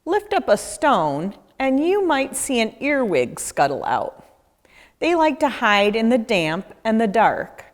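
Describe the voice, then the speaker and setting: A woman narrates a children's nature book at an unhurried pace. Her mid-pitched voice rises and falls animatedly, with deliberate pauses for young listeners. The room adds a long, echoing reverb. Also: huge pitch swings. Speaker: nature educator reading a children's book aloud. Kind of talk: children's read-aloud narration.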